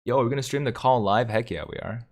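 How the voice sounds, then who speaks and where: A man hosting a live stream, commenting on stock charts and reading viewer comments aloud with excitement. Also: mid-range voice, fast talker. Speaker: livestream host.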